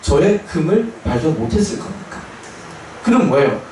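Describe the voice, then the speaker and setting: A male Buddhist chaplain giving a storytelling dharma talk, his fairly high voice rising and falling with animation. He slips into other people's voices as he recounts events. The sound comes from away from the mic in a boomy, reverberant hall with faint ambience. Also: big pitch swings, normal speed, a little mellow, a little hiss or hum. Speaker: Buddhist military chaplain monk. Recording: echoey hall, voice from far off.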